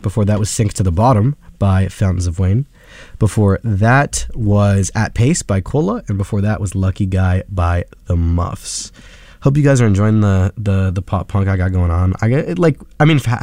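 A man's voice: low-pitched, expressive, moderate pace, dark tone, no room sound. A man hosting a casual student radio show, chatting loosely between songs with lots of fillers and restarts. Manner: laid-back, rambling, lots of fillers. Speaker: college radio DJ.

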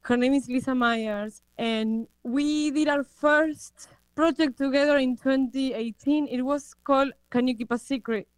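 A woman's voice: high-pitched, fairly even intonation, measured pace, smooth, no room sound, low-quality recording. A woman in her thirties from Argentina, a production designer answering interview questions in a reflective way with many fillers and restarts.

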